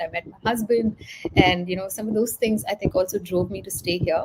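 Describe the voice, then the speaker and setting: A woman speaks over noticeable background noise. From India. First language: Indian language (not English). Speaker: product manager. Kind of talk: interview.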